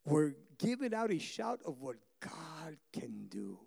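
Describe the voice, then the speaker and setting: A male pastor preaching a bilingual sermon, repeating each line in a second language and building to fervent shouts. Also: on the high side, big pitch swings, slow pace, gravelly, long reverb tail. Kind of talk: bilingual sermon, switching between phrases.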